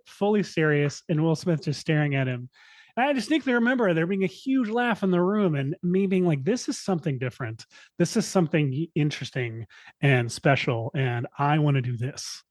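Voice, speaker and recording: A man's voice: a little high, a little mellow, no room sound. A younger adult man, a filmmaker guest, chatting enthusiastically and rambling with lots of fillers. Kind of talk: casual interview chat.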